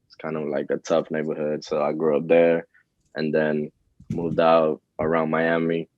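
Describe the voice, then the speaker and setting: A man in his twenties from the Dominican Republic, a rapper answering interview questions in a relaxed, hesitant way with many fillers. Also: a bass voice, normal speed, dry recording. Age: 20s. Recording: dull, lo-fi, dry sound.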